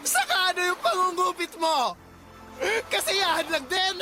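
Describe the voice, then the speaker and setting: A man's voice: big pitch swings, measured pace, exaggerated voice. A man with a Filipino accent playing an enraged, betrayed gay adoptive mother in a melodramatic radio drama, wailing accusations. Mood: outraged, accusing. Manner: melodramatic, shrill, wailing outbursts. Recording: loud music under the voice. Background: loud dramatic music.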